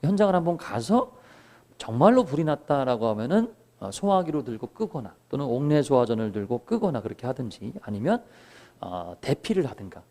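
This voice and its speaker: Man, lecturing on fire safety, emphatic, animated pitch, warm, fillers. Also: brisk. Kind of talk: lecture presentation.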